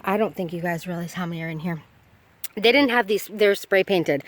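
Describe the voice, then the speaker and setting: A middle-aged woman vlogging casually, talking fast and chatty, a little out of breath, often breaking off mid-sentence. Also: mid-range voice. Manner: fast, chatty, self-interrupting. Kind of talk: casual haul vlog.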